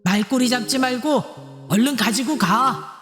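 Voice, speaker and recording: A woman's voice: on the high side, unhurried, fairly bright tone. A woman voicing a brusque, impatient shopkeeper in a children's storybook, with a curt, scolding delivery. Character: brusque, impatient stationery shop keeper pushing a magic pencil. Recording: echoey reverb with children's music behind.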